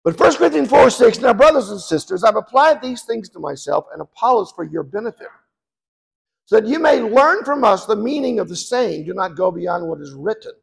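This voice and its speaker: A hoarse man in his seventies preaching a sermon as guest speaker, rambling with self-deprecating asides, his voice raspy. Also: high-pitched, lively intonation, brisk, rough recording. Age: 70s.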